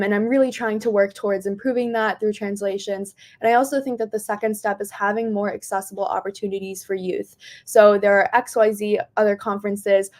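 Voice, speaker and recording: A young woman whose first language is Japanese, speaking earnestly as a panelist on an online call. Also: medium pitch. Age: young adult. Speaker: panelist, nonprofit founder.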